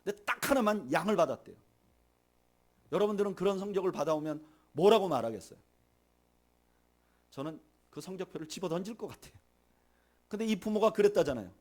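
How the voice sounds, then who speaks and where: A middle-aged man preaching a sermon as pastor, rising loud on key points and dropping soft, and leading the congregation in reading aloud. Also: sits high, expressive, brisk, long pauses.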